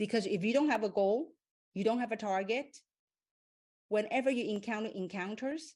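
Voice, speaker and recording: Taking long, frequent pauses at a moderate pace, a woman speaks in a fairly high pitch and an animated tone, with ordinary pitch variation. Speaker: network marketing leader. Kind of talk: motivational training talk.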